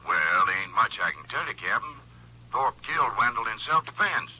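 An actor playing a folksy, evasive small-town sheriff with a rough voice in a 1950s radio drama. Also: male voice, mid-range voice, very animated, normal speed. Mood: folksy, breezy. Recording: lo-fi old radio broadcast recording.

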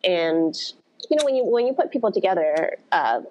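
A woman with a low voice speaks as a podcast guest. She talks in a reflective, storytelling way, circling back with asides as she recalls her past. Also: big pitch swings, normal speed, darkish tone, lo-fi sound, a little hiss or hum. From United States. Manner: reflective, storytelling, frequent "you know". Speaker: podcast guest, blues dance organizer. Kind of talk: conversational interview.

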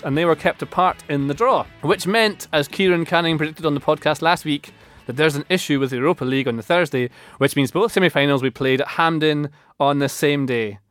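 A male podcast host with a fairly high-pitched voice presents football news and banters with his guest. It is a studio recording, with some music behind him. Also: a bit bright, no echo.

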